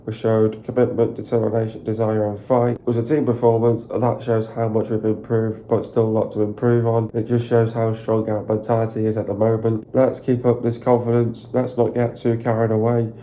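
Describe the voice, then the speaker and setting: A man with a croaky, sore voice, talking at length about his team's win in a loose, repetitive, excited way on his video channel. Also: lowish voice, normal speed, hardly any pauses, a little hiss or hum. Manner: repetitive, filler-heavy, excited rambling. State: hoarse, sore throat. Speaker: football fan channel host. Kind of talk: casual solo video commentary.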